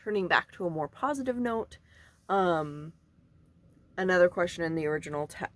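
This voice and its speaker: A woman's voice: on the low side, lively intonation, moderate pace. A young woman chatting informally and bluntly about books, rambling a little and swearing casually. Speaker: book reviewer video creator. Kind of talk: casual book commentary to camera.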